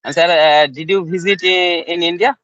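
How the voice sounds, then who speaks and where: A man's voice: on the high side, fairly even intonation, moderate pace, a bit bright, dry recording. A man asking questions in a casual English practice conversation, polite and deferential with a slightly raised voice. His sound is dry and close, muffled like a lo-fi online call. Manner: polite and deferential, often saying sir and yes, yes. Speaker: interviewer.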